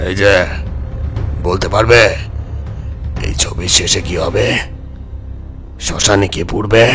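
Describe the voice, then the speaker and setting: A man's voice: deep voice, slow, fairly bright tone, exaggerated voice. A man playing an eerie, menacing madman of the cremation ground in a horror story, ominous and commanding. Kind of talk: horror audio story acting. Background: clear background music.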